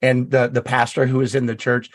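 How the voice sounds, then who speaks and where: A man's voice: medium pitch, no echo, clean studio sound. A man, an author, telling personal stories in an interview, stumbling over and repeating words as he goes. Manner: halting, repeats words, animated when quoting himself. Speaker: author guest. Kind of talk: storytelling interview.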